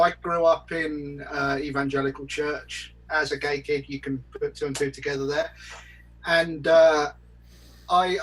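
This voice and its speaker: A man's voice: on the high side, fairly bright tone, recorded from a distance, low-quality recording. A man speaking in a casual discussion as a panelist, articulate and wry. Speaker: podcast panelist.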